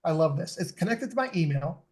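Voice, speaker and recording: A man's voice: on the high side, expressive, fairly quick. A middle-aged man, a guest in a casual podcast interview, explaining tools step by step with enthusiasm. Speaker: fitness technology expert guest.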